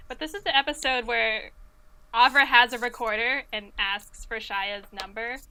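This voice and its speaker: Bright, high-voiced woman quizmaster. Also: steady tone, normal speed, clean tone, poor audio. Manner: giggly, playful. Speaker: trivia quiz host. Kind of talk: casual quiz hosting among friends. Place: remote group call. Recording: faint background noise, online group call.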